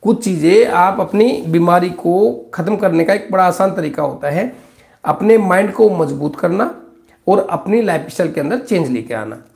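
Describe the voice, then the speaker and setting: A man's voice: high voice, expressive, moderate pace, creaky, a little mellow. A man in his thirties, a doctor answering viewer questions on a live stream, giving blunt, scolding advice. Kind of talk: live Q&A consultation. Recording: echoey small room.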